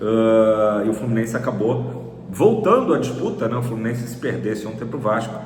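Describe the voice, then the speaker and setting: Over noticeable background noise and audible room echo, a man talks at a moderate pace with hardly any pauses. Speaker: football channel presenter. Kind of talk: casual football commentary vlog. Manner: low energy.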